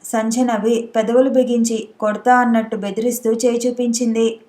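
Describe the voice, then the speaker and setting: A woman narrating an audiobook, reading every role in one steady voice. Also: a little high, a little fast.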